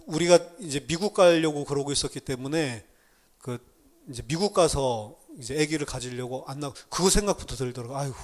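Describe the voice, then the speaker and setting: A middle-aged man preaching a sermon in church, telling stories in a lively way and often laughing at himself. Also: mid-range voice. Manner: animated storytelling with laughs. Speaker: pastor.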